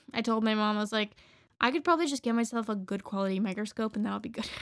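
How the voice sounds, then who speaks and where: Talking at a very fast pace, a woman uses a fairly high pitch with ordinary pitch variation in a very clean recording with a silent background. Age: young. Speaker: solo podcaster. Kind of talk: casual monologue. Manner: animated.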